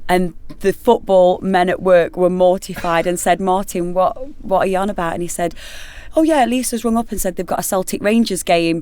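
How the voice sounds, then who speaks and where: A woman talks fairly quickly with a Nottingham accent. Her voice sits at medium pitch with ordinary pitch variation. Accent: broad Nottingham. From Nottingham, England. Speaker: footballer's wife and charity ambassador. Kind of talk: interview. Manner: animated.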